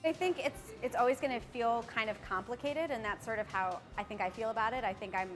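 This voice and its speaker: A woman's voice: fairly high pitch, a little fast. A young woman who owns a bakery, talking in an upbeat, conversational way in a documentary interview. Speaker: bakery owner. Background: background music.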